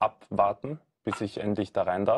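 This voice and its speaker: Keeping a fairly even intonation, a man talks at a moderate pace. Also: quiet background. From Austria. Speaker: former footballer and reality TV personality; guest. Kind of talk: casual chat. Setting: studio. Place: studio. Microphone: lapel.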